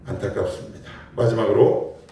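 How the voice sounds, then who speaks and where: Male pastor, low voice, punchy sermon with rhetorical questions; distant mic, faint background noise. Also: normal speed, dark tone. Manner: emphatic, asks the congregation rhetorical questions. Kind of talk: sermon at a morning prayer meeting. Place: church sanctuary. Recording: very echoey hall, mic far off, faint noise.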